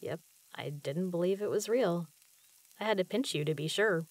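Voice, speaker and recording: Low, tender girlfriend voice, close and dry, acted by a woman. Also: normal speed, no echo, lightly acted. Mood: fond, wistful.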